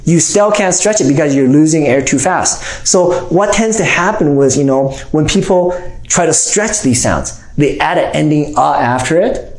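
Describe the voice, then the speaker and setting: Lively intonation marks this man's slightly high voice as he teaches phonics at a normal speed. He's a reading teacher in his forties who explains patiently and repeatedly asks "okay?". The echo of a small indoor room comes through his lapel mic.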